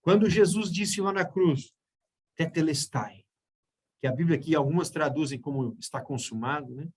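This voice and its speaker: High-voiced Brazilian man teaching Bible study. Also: moderate pace, darkish tone, breathy edge. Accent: Brazilian Portuguese. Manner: explains step by step, checks in with listeners often.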